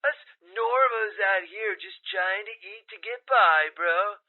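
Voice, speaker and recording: A man's voice: high-pitched, slow pace. An actor playing a defensive, weird gang bro who insists he is normal, on a tinny radio advert in an audio drama. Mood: defensive, pushy. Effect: tinny radio filter. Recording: tinny narrow-band phone-like radio sound.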